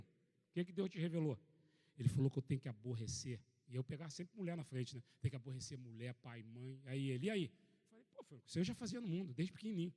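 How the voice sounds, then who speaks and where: A man from Brazil preaching a sermon to a church gathering, reading scripture aloud and telling a funny personal story in an animated, joking way. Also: medium pitch, big-room sound. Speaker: pastor. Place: church meeting hall.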